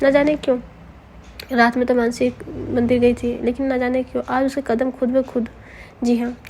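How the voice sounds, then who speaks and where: A woman with a high pitch speaks at a fairly slow pace in a monotone, flat intonation against noticeable background noise. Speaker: storyteller. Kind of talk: storytelling. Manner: casual conversational narration.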